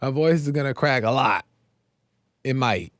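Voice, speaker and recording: A man hosting a live faith talk show, speaking in a slow, reflective way with many pauses and repeated phrases while his voice is going hoarse. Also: medium pitch, expressive, no room sound, clean studio sound. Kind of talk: casual devotional talk.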